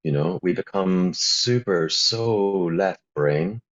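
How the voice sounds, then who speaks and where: A man with a Belfast accent, a guest calmly explaining his meditation work in an interview. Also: sits low, slow. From Northern Ireland. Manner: calm, flowing explanations with frequent fillers. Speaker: guest, founder of a meditation app. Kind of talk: interview conversation. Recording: dull, muffled lo-fi audio.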